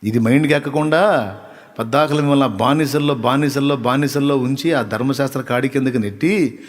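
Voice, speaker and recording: Male pastor, live sermon, rhetorical questions, teasing, mid-pitched voice, long hall reverb. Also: fairly quick. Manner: lively, rhetorical questions to the congregation, teasing acted asides. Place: church hall.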